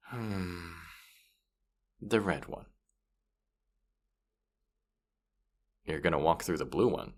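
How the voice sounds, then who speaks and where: Fantasy audio roleplay: male actor as boastful, playful afterlife trickster spirit, low register, very animated intonation, teasing and theatrical. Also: creaky, heavily acted. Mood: coaxing. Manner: teasing, theatrical, mock-sympathetic, swooping delivery.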